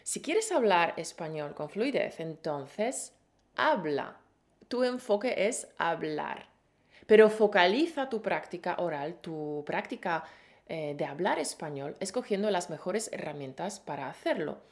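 A woman's voice: lowish voice, animated, a little slow. A woman co-hosting a Spanish-learning podcast, teaching in a playful, encouraging way with pet names. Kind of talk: lively scripted lesson.

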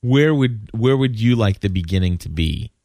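A man's voice: on the low side, animated, moderate pace, mellow, no room sound. A man in his thirties co-hosting a casual family podcast from a studio, who laughs often and restarts his sentences. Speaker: podcast co-host. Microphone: studio microphone.

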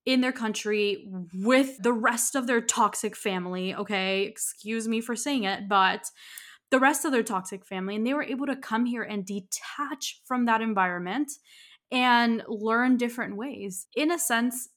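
A woman's voice: fairly high pitch, normal speed. Candid, laughing American woman podcaster. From United States (Miami). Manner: candid, ranting, laughs often. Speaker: podcast host. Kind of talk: casual monologue.

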